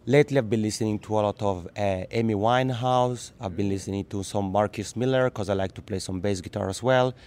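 Lowish-voiced Italian-Swiss man, lively. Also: a little fast, hardly any pauses. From Italian-speaking Switzerland. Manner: lively, laughs easily, repeats words when restarting. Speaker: podcast guest. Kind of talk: casual interview.

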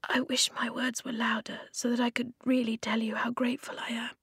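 A woman voicing an earnest young girl in a children's audiobook, her voice faded to a breathy, forced whisper. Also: fairly high pitch, level tone, fairly quick, dry recording, studio quality, pitched above the performer's own voice, heavily acted. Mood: grateful. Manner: hushed, earnest, straining to be heard.

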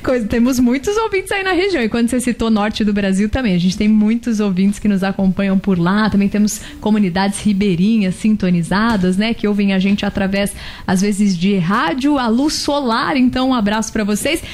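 A woman's voice: mid-range voice, fairly quick, darkish tone. A woman with a Brazilian accent hosting a radio show and interviewing guests in a conversational style.

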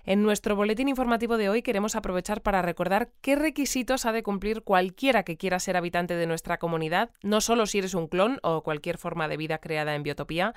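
Female radio host for audio drama played by a woman: Spain accent, composed, orderly, smooth voice, dry close sound. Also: medium pitch, fast, hardly any pauses, no echo, natural voice. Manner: orderly, courteous. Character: composed female community radio news presenter. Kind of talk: radio bulletin and interview.

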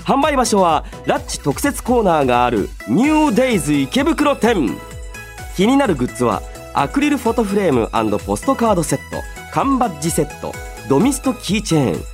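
This radio show host, also a voice actor, goes back and forth between casual chat and announcements in a polite, chatty way marked by frequent soft "ne" tags. His voice sits high and swings hugely in pitch, a little fast, with faint music behind.

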